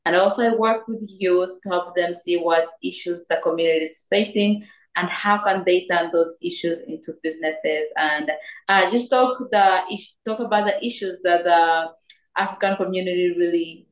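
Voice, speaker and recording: A young woman from Congo, raised in Uganda, answering interview questions earnestly with many pauses and fillers. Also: fairly low pitch, fairly even intonation. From Democratic Republic of Congo, raised in Uganda. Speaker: guest, nonprofit founder. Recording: roomy echo.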